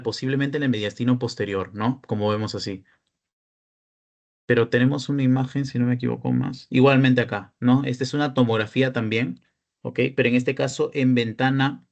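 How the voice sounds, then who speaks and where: A man's voice: mid-range voice, normal speed, dull audio. Young man tutoring, asking students. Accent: Peruvian Spanish. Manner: explanatory, checks in with frequent questions to students. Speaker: peer tutor. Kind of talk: online class lecture.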